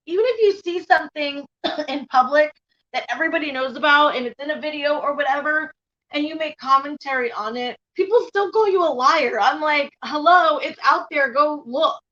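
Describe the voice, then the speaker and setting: This YouTube commentary host speaks at normal speed in an animated, high, somewhat bright voice. She's casual, blunt and profane, laughing frequently at what she reacts to, on a slightly dull lo-fi recording.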